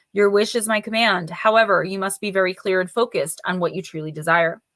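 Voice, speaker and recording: A quiet, raspy, put-on character voice rattles along at a very fast pace. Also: woman, medium pitch for a woman. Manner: hushed, secretive.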